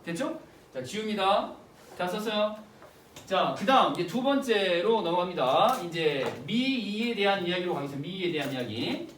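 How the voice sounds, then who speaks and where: A male teacher giving an exam-prep literature lecture in an animated, slangy way, quizzing his students with rhetorical questions. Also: high-pitched, normal speed. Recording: roomy, distant with faint hiss.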